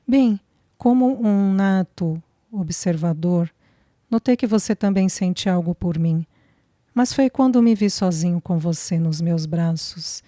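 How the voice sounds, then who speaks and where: A woman reading a gentle man in love. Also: on the low side, unhurried, no room sound, studio quality, close to an everyday voice. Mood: tender. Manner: soft, earnest, reassuring. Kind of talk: audiobook dialogue reading.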